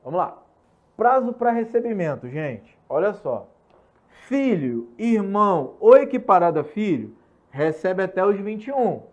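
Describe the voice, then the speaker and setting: High-voiced Brazilian man teaching energetically. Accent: Brazilian Portuguese. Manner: energetic, repeats key points, checks in often with quick questions. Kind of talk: recorded online law lesson. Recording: slightly muffled lo-fi recording.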